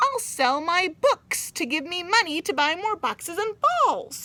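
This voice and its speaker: A woman speaks at a moderate pace in a put-on character voice pitched extremely high. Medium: read story.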